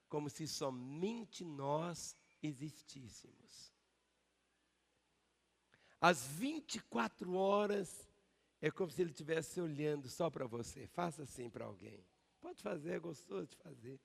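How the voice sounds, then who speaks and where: A man's voice: a little high, creaky, husky. An older man preaching a sermon in a large church as pastor, driving the congregation to repeat words back to him. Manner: emphatic preaching with call-and-response. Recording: long church hall reverb.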